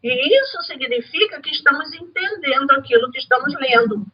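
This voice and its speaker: A woman's voice: high-pitched, lively intonation, brisk, noisy background. A Brazilian woman giving an online study lesson to a spiritist group, talking in an earnest, emphatic way and repeating key phrases. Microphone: video call or webcam. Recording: dull lo-fi home recording.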